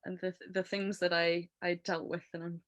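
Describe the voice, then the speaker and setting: A woman in her thirties with an English accent and a low, smoky voice, talking casually and animatedly as an interview guest, laughing often and filling with "like". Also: level tone, normal speed, a bit bright, no echo. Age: 30s. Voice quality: low voice from years of smoking. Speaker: musician guest.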